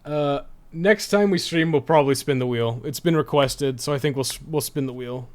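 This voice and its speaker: A man's voice: a little high, normal speed. A man chatting casually to his viewers as a game streamer, informal and freely swearing. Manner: informal, foul-mouthed. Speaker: video game live streamer. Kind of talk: casual livestream chat with viewers.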